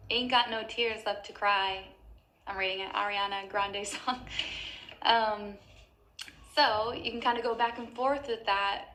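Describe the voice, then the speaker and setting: A woman's voice: medium pitch, fairly bright tone. Woman, young adult, music teacher, casual advice, chatty, roomy echo. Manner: chatty, frequent fillers.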